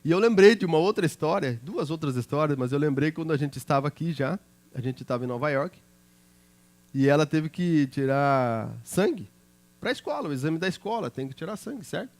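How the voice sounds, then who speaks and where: Male pastor, middle-aged, animated sermon storyteller, a touch of vocal fry. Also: a little high, a little fast. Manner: chatty storytelling, checking in with listeners. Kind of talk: sermon with personal anecdotes.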